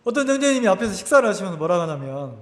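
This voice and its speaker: A man preaches in a high, animated voice that rises and falls sharply. He keeps asking his congregation rhetorical questions. The sound is echoey, with a long hall reverb from the church. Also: very fast. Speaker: pastor. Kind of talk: sermon. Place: church sanctuary.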